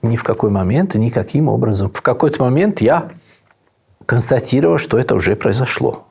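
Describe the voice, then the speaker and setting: A man who is not a Russian speaker, a priest answering interview questions in a slow, thoughtful way with frequent pauses. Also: medium pitch, expressive, vocal fry, a little mellow, breathy edge. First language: Italian. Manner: unhurried, thoughtful, frequent hesitations. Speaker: Orthodox priest and monk, interview guest. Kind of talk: reflective conversational answers.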